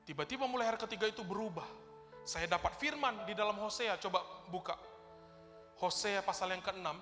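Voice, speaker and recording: A man's voice: high voice, fairly quick, bright, forceful tone. A male pastor preaching a sermon, telling a personal testimony in a fervent, conversational way and speaking straight to his congregation. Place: church hall. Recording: reverberant hall with faint music.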